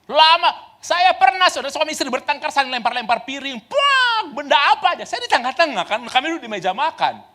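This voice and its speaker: A male pastor delivers a sermon in a high, bright voice. His pitch leaps wildly as he tells stories. He moves from loud exclamations to soft asides, laughing along the way. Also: sing-song, brisk, hardly any pauses. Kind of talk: lively sermon with storytelling. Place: church.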